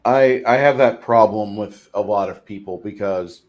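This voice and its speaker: A man's voice: fairly low pitch, normal speed, darkish tone. A man from Illinois talking casually on a tabletop gaming podcast, rambling and conversational. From Illinois, USA. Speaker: podcast co-host.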